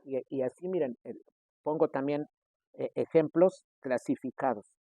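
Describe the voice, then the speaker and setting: A man's voice: medium pitch, normal speed, no echo, phone-quality sound. A male pastor, preaching a sermon in a conversational way, with frequent hesitations and mock rhetorical questions. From Mexico.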